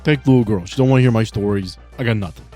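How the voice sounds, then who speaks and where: A man acts out an excitable young bro for a tabletop game. He rambles in slang, repeats himself and makes everything dramatic. Music plays behind him. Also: fairly low pitch, very fast, lightly acted. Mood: rambling, insistent.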